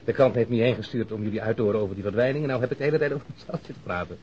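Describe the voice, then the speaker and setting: A man's voice: fairly low pitch, rapid-fire, muffled recording, slight background noise, close to an everyday voice. A man playing a chatty, self-deprecating newspaper reporter who talks hesitantly in a naturalistic radio drama. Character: eager, chatty bachelor newspaper reporter, former convict.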